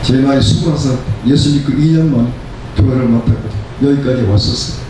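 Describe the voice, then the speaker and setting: A man's voice: medium pitch, fast. A man in his seventies preaching a Christian sermon as a pastor, emphatic and repeating phrases in parallel for stress. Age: 70s. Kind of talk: Christian sermon with personal testimony. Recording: very echoey room, distant mic, faint noise.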